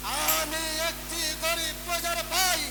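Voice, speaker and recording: A stage actor playing a haughty, hostile official in a folk drama, declaiming in a hammy, drawn-out theatrical way. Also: very high-pitched, level tone, gravelly, heavy background noise, exaggerated voice. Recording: echoey stage recording under loud music.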